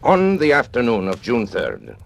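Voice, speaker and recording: An actor playing a cold, scheming male master criminal who narrates his own plot in grandiose, measured old-time radio style. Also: medium pitch, wildly swooping pitch, vocal fry, a little hiss or hum, heavily acted. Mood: coldly boastful. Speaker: first-person narrator. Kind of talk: 1940s radio acting.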